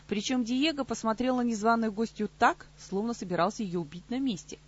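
Husky woman narrating an audiobook. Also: on the high side, brisk, highs cut off.

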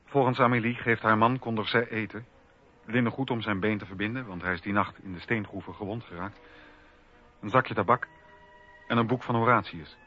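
A man's voice: fairly low pitch, brisk, husky. A man narrating a documentary radio drama from a script. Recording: dull lo-fi radio recording. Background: music.

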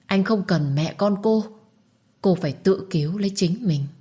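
A woman narrating a dramatic story in a steady, even delivery. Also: medium pitch, normal speed.

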